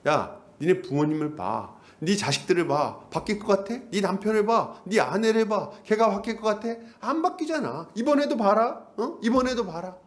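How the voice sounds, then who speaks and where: A man's voice: high-pitched, animated, normal speed, few pauses, voice pushed up. A man putting on a jeering devil voice. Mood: mocking. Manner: jeering, mocking, bullying questions. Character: taunting male devil accuser, sneering and relentless.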